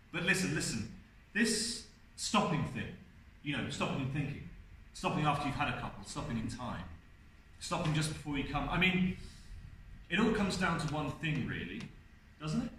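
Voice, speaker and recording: A young man performing a theatrical monologue as an ageing gay man confessing helpless desire, confiding and wry, with halting repetitions. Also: medium pitch, pushed and bright. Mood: insistent, wry. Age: young adult. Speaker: drama student performing a monologue. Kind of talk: theatrical first-person stage monologue. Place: indoor university event space, on stage. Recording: distant, very echoey hall, faint noise.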